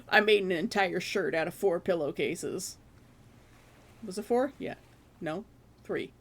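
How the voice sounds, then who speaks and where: A streamer chatting casually with viewers from their room at home, rambling and laughing at themselves, with a hoarse voice that is giving out. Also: medium pitch, slow, long pauses. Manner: rambling, self-deprecating, laughs often. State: hoarse, losing voice.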